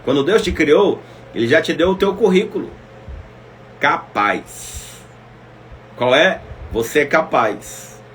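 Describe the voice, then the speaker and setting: A man preaching a devotional Bible lesson, swinging between loud exclamations and soft asides as he speaks straight to his listeners. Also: a little high, expressive, takes it slowly, long pauses, a little hiss or hum. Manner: speaks directly to listeners as "minha irmã".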